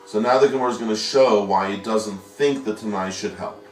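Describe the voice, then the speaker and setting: Low-voiced man teaching, patient and methodical. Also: a little fast, slight background noise. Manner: patient, explains step by step with rhetorical questions. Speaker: yeshiva teacher. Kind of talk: Talmud study lesson. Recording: echoey room, mic at a distance.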